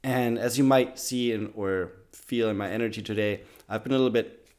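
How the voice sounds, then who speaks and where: Slightly raspy man talking to camera. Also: fairly low pitch, fairly even intonation, normal speed, darkish tone. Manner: earnest, loose sentences with many restarts and "like". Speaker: personal growth YouTuber. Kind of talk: casual talk to camera.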